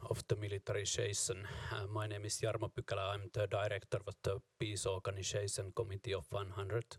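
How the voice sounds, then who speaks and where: Fairly low in pitch and somewhat breathy, a man talks with hardly any pauses in a dry, close sound with no echo. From Finland. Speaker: peace activist. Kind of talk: audience question.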